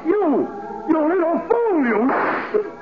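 A man's voice: extremely high pitch, sing-song, drawn-out words, over music, exaggerated voice. An actor playing a cruel, mocking criminal bridegroom who talks in sneering, slangy tough-guy lines in 1940s radio style. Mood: menacing, mocking. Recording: noisy muffled 1940s radio recording.

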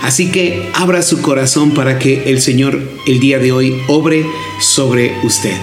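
A man's voice: medium pitch, moderate pace. A man with a Mexican accent, hosting a Christian radio programme with devotional greetings and blessings. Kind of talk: devotional welcome to listeners. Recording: roomy echo. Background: faint music.

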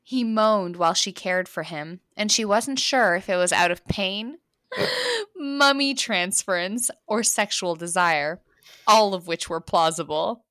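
A woman's voice: medium pitch, big pitch swings, a little slow, a bit bright, no echo, clean studio sound. A woman hosting a comedy podcast, reading her own racy story aloud and breaking into giggles.

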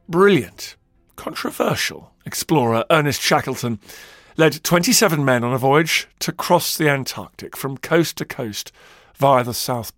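A man's voice: mid-range voice, no room sound, clean studio sound. Male narrator, documentary podcast host, dramatic emphatic read, music bed under voice. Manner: dramatic, emphatic storytelling delivery. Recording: narration over loud music.

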